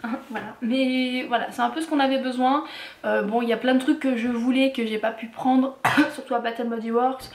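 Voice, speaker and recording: A woman's voice: on the high side, fairly even intonation, fairly quick. Chatty woman, echoey room. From France. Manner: chatty, many fillers and restarts. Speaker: vlogger. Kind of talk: casual haul vlog.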